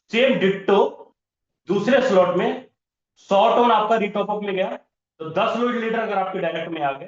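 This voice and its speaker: Man teaching sums over a roomy call. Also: high-pitched. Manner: repetitive, walks through sums step by step. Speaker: business trainer. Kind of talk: online training session explaining income plans. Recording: roomy, dull lo-fi online call audio.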